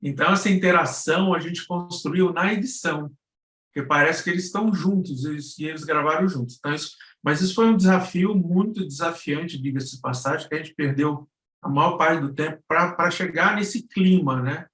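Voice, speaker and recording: A Brazilian man lectures informally on a live stream in a slightly high voice. He is halting and often searches for his words. The recording is roomy and echoing. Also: a bit bright. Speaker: guest lecturer on podcast production. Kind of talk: informal online lesson.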